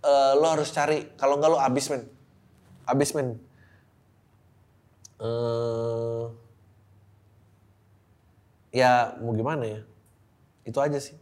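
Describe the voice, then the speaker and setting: A man's voice: medium pitch, steady tone, measured pace, pauses often, darkish tone. A young man with hosting a podcast, reading listener letters aloud and reacting bluntly with swearing. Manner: blunt and profane, reads letters aloud then reacts with laughter. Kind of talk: casual podcast chat.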